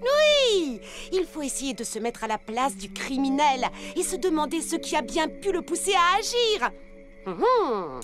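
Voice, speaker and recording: A woman voicing an excitable, self-important young girl detective in a dubbed children's cartoon, theatrical and pompous. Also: high voice, a little slow, music in the background, heavily acted. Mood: eager, self-important.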